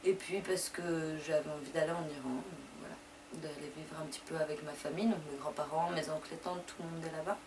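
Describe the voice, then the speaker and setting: A young woman from France, whose first language is Persian, recounts her path as a deputy mayor in an interview, speaking in a deep, fairly even voice. She talks conversationally with a loose pace and frequent pauses, recorded on a distant mic with clear background noise.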